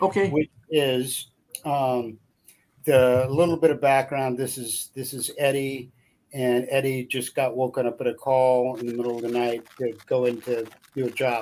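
Medium pitch and fairly even intonation from a man with an ordinary speaking voice. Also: moderate pace. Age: 50s. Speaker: author. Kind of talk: casual chat.

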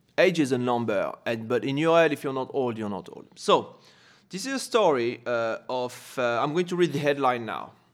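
The voice has a French accent and a moderate pace, with ordinary pitch variation. Loudness swings widely, on a very clean recording with a silent background. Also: man, fairly high pitch for a man. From France. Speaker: comedy podcast co-host. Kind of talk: casual comedic chat.

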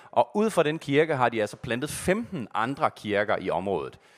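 A man talks with a fairly high pitch. The recording is very clean, with a silent background. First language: Danish. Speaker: event host. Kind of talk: announcement.

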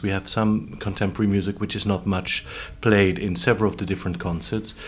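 A man with a Dutch accent. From Netherlands. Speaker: opera singer and festival director. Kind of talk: interview.

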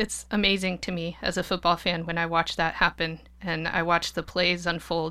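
A woman speaks at a fairly quick pace with hardly any pauses, her fairly low pitch marked by vocal fry. Her intonation is monotone and flat in a very clean recording with a silent background. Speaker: podcast host. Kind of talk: scripted narration. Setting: studio.

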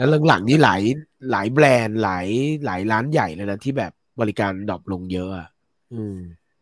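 With ordinary pitch variation, this is an ordinary speaking voice. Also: man, fairly low pitch for a man. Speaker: radio show co-host. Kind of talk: casual chat. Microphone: poor audio, hissy sound.

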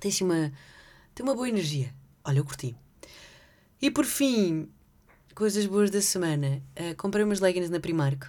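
In a Lisbon accent, a woman with a dark, mellow tone and a fairly low pitch swings her pitch very widely while leaving long, frequent pauses. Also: moderate pace. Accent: European Portuguese, Lisbon. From Portugal, Lisbon. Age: 30s. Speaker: podcast host. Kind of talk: casual solo monologue.

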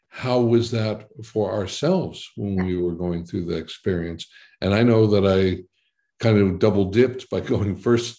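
In a fairly low pitch with an American accent, a man speaks at a fairly slow pace with ordinary pitch variation and a dark, mellow tone. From US, Boston area (Massachusetts). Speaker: university associate professor, psychologist. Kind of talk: interview conversation. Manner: hesitant, filler-heavy.

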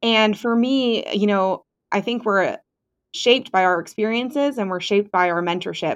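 Against a quiet background, a woman with an American accent speaks in a plain, everyday voice at a fairly high pitch and moderate pace, with ordinary pitch variation. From New York, Long Island. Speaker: pediatric neurosurgery fellow. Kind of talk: interview.

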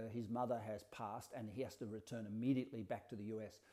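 Pacing himself moderately, a man speaks with an Australian accent and fairly even intonation. His medium-pitched voice has a dark, mellow tone. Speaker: business consultant and speaker. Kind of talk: solo monologue podcast. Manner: halting, with fillers.

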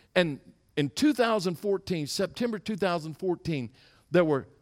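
A man with a Southern US accent speaks in a fairly high voice. His pitch swings very widely. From US South, Louisiana. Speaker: evangelist. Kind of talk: sermon. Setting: church.

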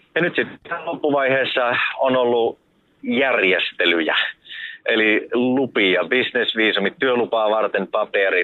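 A man speaking at a very slow pace. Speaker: missionary. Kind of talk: phone interview. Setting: phone call from a car.

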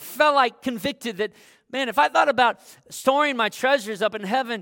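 Raised and projected, a man's voice comes through at an extremely high pitch with a bright, sharp tone, ordinary pitch variation and a moderate pace. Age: 50s. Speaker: pastor. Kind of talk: sermon.

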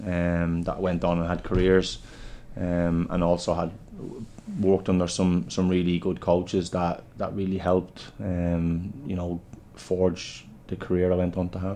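A man's very deep, low voice with a dark, mellow tone, in a Dublin accent, at a fairly slow pace with monotone, flat intonation. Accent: Dublin Irish. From Ireland, Dublin. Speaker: football coach, former player. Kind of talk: interview.

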